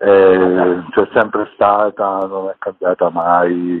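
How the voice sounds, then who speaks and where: A man with an English accent and a very deep, low pitch. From England, London. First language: English (speaking Italian). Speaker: DJ. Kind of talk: radio interview. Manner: halting.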